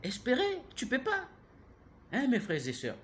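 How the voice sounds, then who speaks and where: A man, giving an impassioned, preachy monologue that keeps turning to the listener with "hein?" and grows loud and heated. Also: very high-pitched, wildly swooping pitch, a little slow, slight background noise. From Gabon. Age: 30s. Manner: preachy, repeats himself, asks listeners "hein?". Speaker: vlogger.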